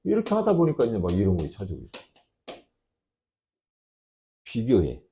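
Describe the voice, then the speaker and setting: A man preaching a sermon as pastor, emphatic, swinging between loud outbursts and quiet asides. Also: on the low side, wildly swooping pitch, normal speed, creaky, slight background noise.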